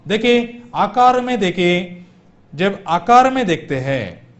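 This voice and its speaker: A man teaching Hindi grammar in a classroom, sounding out vowels slowly and asking the class questions he then answers. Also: high voice, very animated. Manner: slow, repeats vowel sounds aloud for drill. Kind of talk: classroom lecture for exam prep. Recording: dull lo-fi classroom recording.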